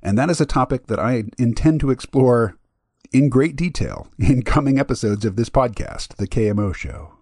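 A man hosting a solo podcast, his voice sitting at a middle pitch. He explains his thinking in a steady, reflective way, recorded dry and close with no room sound. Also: moderate pace, breathy edge, dry recording. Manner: thoughtful, explanatory. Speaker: podcast host.

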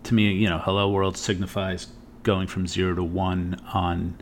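Male podcast co-host, lowish voice, loose storytelling, peppered with "right?" and "you know". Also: little pitch movement, moderate pace, slight background noise. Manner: rambling storyteller, swears, frequent "right?" asides. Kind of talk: casual podcast chat.

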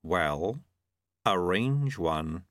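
Male narrator as icy inhuman official: imperious, literal, drawn-out formal speech for a fantasy audiobook. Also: low voice, expressive, fairly bright tone, dry recording, clean studio sound, pitched below the performer's own voice, full character voice. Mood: cold, demanding. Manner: slow, deliberate, formal and demanding.

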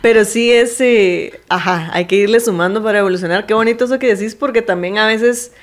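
A woman's voice: medium pitch, fairly quick. A woman, reflecting thoughtfully in a casual podcast chat. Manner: thoughtful, agreeing, warm laughs between points. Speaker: podcast co-host.

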